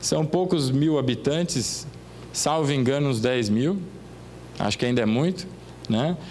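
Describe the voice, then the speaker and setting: Speaking fairly slowly with long, frequent pauses, a man with a fairly high pitch keeps a very even loudness and ordinary pitch variation, with audible room echo and noticeable background noise. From interior of São Paulo state, Brazil (Pompeia). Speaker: pastor. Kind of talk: sermon. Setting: church service.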